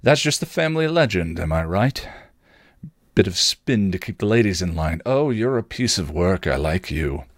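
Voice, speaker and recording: A man acts out a cocky British male vampire from an audio story. He is low-voiced and sardonic, slangy and gruff with a soft side, swinging freely in pitch on a close, dry recording. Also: very animated, normal speed, no room sound, full character voice.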